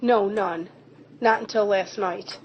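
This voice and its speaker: A woman's voice: mid-range voice, slow, close to an everyday voice. Folksy country woman played by an actress, muffled recording. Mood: plain, earnest. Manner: folksy, descriptive storytelling. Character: friendly rural woman eyewitness recounting a Bigfoot sighting. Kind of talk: amateur audio drama acting. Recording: muffled, noisy home recording.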